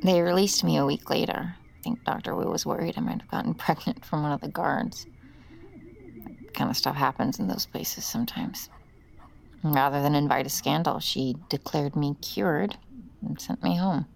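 An actress playing a haunted, grieving middle-aged mother, speaking in a hushed, weary, half-whispered way in an audio drama. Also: deep voice, moderate pace, creaky, exaggerated voice, poor audio. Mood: confessing.

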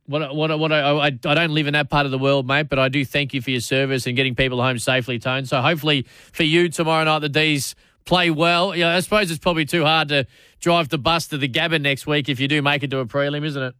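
A man's voice: fairly high pitch, fairly even intonation, fast, sharp tone, smooth, no room sound. An Australian man hosting sports talkback radio, matey and chatty, often restarting his phrases. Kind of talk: casual talkback commentary. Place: radio studio.

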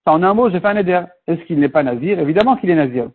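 A man's voice: fairly high pitch, expressive, racing. A man teaching a Talmud class, explaining step by step and mixing in Hebrew and Aramaic terms. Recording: tinny phone-like recording.

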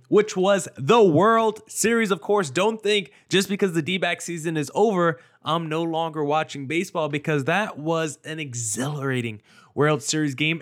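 Slightly hoarse young man hosting a podcast. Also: fairly high pitch. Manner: excitable, peppered with "like" and "I mean". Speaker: podcast host. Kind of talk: solo sports podcast commentary.

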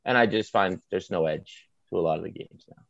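A man's voice: sits low, brisk, a bit bright, no echo, dull audio. A man with a Maritime Canadian accent chatting about sports as a guest, in an emphatic, colloquial, opinionated way with punchy short phrases. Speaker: author and podcast guest. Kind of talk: animated opinionated sports chat.

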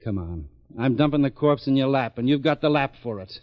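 An actor playing a tough, wisecracking homicide lieutenant who also narrates a 1950s radio drama, in dry, clipped lines. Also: male voice, mid-range voice, expressive, brisk, natural voice. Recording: dull old radio recording with music.

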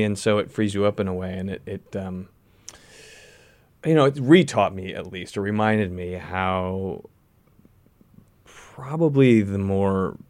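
A man's voice: on the low side, no echo. A man, an actor being interviewed, talking conversationally and reflectively as he searches for his words.

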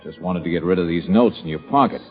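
A man's voice: sits low, fast talker, soft background music, natural voice. An actor playing a tough, sardonic American male private detective, wisecracking and needling in an old-time radio drama. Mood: sardonic, pressing. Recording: dull, echoing old radio recording.

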